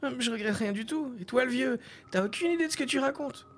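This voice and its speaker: A guy doing a cocky runaway nomad kid, squeaky high voice, mocking. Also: fast, vocal fry, full character voice. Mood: defiant. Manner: defiant, mocking. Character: gruff boy, young nomad on the run.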